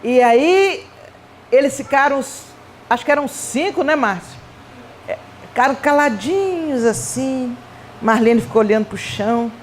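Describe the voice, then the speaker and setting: A Brazilian woman giving a Spiritist conference talk, telling personal stories in an animated, chatty way with playful asides. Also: high voice, slight background noise. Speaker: Spiritist speaker. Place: event hall.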